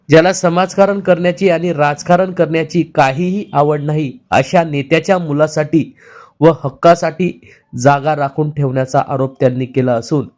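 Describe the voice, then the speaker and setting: A man's voice: medium pitch, a little mellow. Man reading a news report. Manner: measured, formal reading. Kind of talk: scripted news narration.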